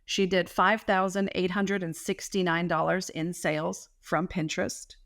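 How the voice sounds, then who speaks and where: Emphatic, lively woman telling a client story. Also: on the low side, moderate pace, no room sound, clean studio sound. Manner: animated, emphatic, casual with slang. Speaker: guest business coach. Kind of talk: storytelling in an interview.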